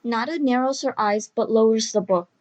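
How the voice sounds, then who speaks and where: A woman narrates an audio drama from a script. Her voice is fairly high as she describes the scene. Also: normal speed, a little mellow.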